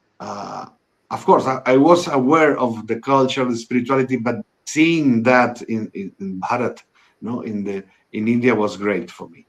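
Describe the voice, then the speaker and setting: Speaking at a moderate pace with a Spanish accent, a man with a medium-pitched voice shows ordinary pitch variation and big swings in loudness. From Spain. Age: 50s. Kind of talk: interview.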